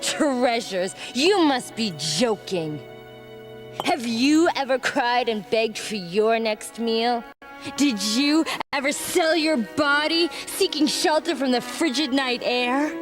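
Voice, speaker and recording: A woman's voice: fairly high pitch, expressive, slow. A woman voicing a bitter young psychic gypsy woman in a 1990s video game cutscene, scornful and prone to mocking laughs, over violin music. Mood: anguished.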